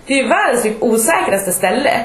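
A woman, co-hosting a podcast and telling stories in casual chat. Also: on the high side. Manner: chatty storytelling, animated retelling. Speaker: podcast co-host. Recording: echoey room.

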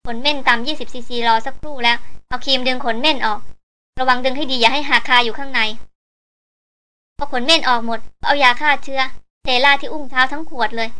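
A woman voicing a brave young woman who calms a wild elephant, speaking in a soft, coaxing manner. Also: high voice, a little fast. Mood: explaining.

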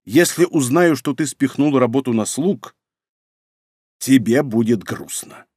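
A man voicing a stern, quick-tempered emperor who barks commands, in a dry audiobook reading. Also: medium pitch, lively intonation, a little mellow, husky, dry recording. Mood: furious. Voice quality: barking, commanding.

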